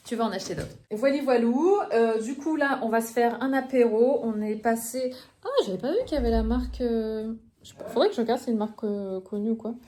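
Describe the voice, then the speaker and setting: Woman vlogger in her thirties, fairly high voice, chatty and confiding, faint background hiss. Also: fairly quick, mellow. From northern France. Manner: chatty, confiding, many fillers. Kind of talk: casual chat to camera.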